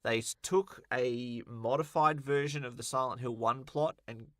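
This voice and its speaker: Bright-voiced emphatic man, casual podcast. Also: medium pitch, fairly even intonation, normal speed, no room sound, studio quality. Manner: emphatic, repeats words for effect. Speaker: podcast co-host. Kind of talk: casual podcast chat about film and games.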